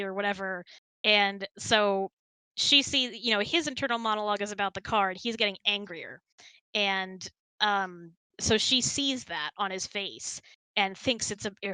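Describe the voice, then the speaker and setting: Female host, casual and conversational, bright tone, dry sound. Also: medium pitch, smooth, no room sound, low-quality recording. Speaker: host answering audience questions. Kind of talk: casual chat.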